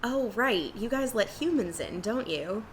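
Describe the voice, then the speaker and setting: A woman's voice: a little high, expressive, unhurried, slight background noise. A woman playing a wry, frank cryptid empath in an audio drama, with a dry, teasing, casual delivery. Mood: curious.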